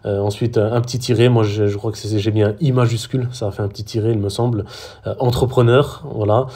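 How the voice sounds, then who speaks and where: A man's voice: on the low side, steady tone, fast, warm tone, slightly rough. A man from France, giving a casual social media tutorial with lots of fillers and restarts. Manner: hesitant, many fillers and restarts. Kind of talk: casual screen-recorded tutorial.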